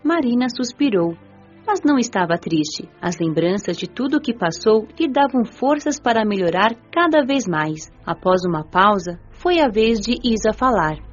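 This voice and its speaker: A woman's voice: mid-range voice, animated, normal speed. Woman narrator on dull lo-fi audio. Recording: dull lo-fi audio with music underneath.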